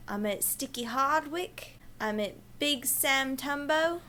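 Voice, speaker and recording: A woman playing a grandiose, excitable aged performer, pompous about being a living legend, in a comic monologue. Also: high-pitched, slow, slight background noise, full character voice. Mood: boastful. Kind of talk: comedic character monologue.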